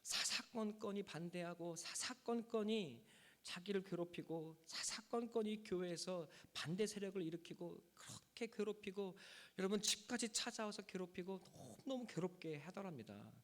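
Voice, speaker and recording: A man's voice: high-pitched, animated, moderate pace, big-room sound. A man preaching a Sunday sermon as the pastor of a church, with emphatic delivery. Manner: emphatic preaching, voice rising and falling sharply. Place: church sanctuary.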